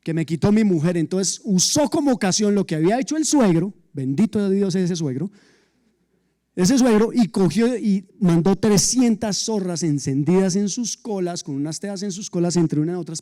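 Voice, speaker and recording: A male pastor preaching a sermon, retelling a story in an animated way with humorous asides to the congregation. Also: sits high, moderate pace.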